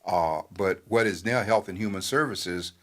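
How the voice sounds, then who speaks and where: An older man, a newspaper editor, giving talk-show commentary in a measured, halting way with many fillers. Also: low voice, fairly bright tone.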